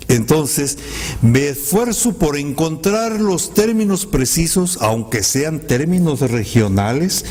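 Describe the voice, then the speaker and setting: A man whose first language is a Mayan language, giving a thoughtful talk to an audience in a library as a guest poet. He speaks in a measured way, with polite asides and some hesitant pauses. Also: medium pitch, a little mellow. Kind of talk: reflective commented poetry talk. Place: public library hall. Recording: reverberant hall sound.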